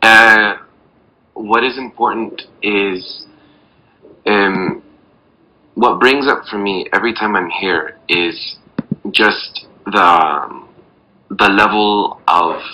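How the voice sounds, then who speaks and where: A man's voice: deep voice, sharp tone, rough recording. A young man from Mexico, chatting as a podcast guest over a video call, rambling and hunting for words with lots of fillers. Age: young adult.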